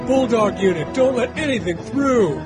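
An actor playing a brash young male starfighter pilot, shouting urgent battle callouts over game music. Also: very high voice, expressive, normal speed. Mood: commanding. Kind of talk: video game voice acting.

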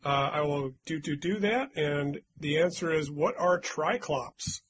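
Reading out clues and ribbing his friends as players, this quiz host keeps things chatty in a casual game-show setting. He speaks unhurriedly, his fairly high voice carrying a breathy edge.

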